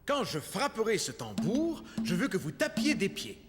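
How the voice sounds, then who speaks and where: A man's voice: sits high, wildly swooping pitch, normal speed, big-room sound, over loud music. A man voicing a friendly, encouraging children's gym teacher in a cartoon, giving step-by-step instructions. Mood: lively, instructive.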